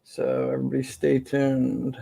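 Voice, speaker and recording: A man with a slightly hoarse voice hosting a casual live question-and-answer stream, speaking informally and haltingly off the cuff. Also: mid-range voice, monotone, warm tone, no room sound, studio quality.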